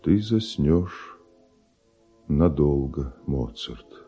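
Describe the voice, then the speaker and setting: Radio drama: tormented older rival composer, rock-bottom bass, extremely slow, grave theatrical verse. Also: male voice, animated, mellow, breathy edge, soft background music, heavily acted. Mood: brooding, tormented. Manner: grave, weighty, deliberate theatrical delivery. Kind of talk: classic Russian radio drama verse acting.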